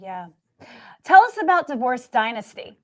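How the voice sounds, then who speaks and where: A woman co-hosts a morning television show. Her voice is pitched a little high. She speaks effusively, praising the guest and closing the interview. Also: big pitch swings, normal speed, darkish tone. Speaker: co-host. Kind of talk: morning TV chat.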